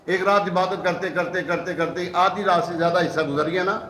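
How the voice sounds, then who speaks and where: A preacher's voice sits high, steady and fairly bright, echoing with reverb. His Urdu sermon relies on storytelling, with quoted lines acted out and emphatic rhetorical questions.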